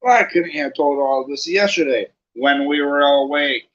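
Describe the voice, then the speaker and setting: A man's voice: on the high side, normal speed, a bit bright, a little hiss or hum, lightly acted. A man doing a cheeky, sleepy teenage boy. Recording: dull lo-fi recording.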